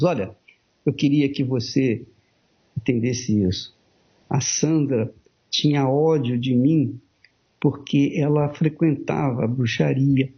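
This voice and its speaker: A man, a bishop, preaching on a broadcast, emphatic and repeating phrases for stress, on muffled audio. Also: medium pitch.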